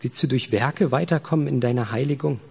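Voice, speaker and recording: Husky-voiced preacher in a reverberant hall. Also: male voice, medium pitch, darkish tone. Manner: earnest, speaks directly to the listener, slows down for emphasis. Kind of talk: sermon.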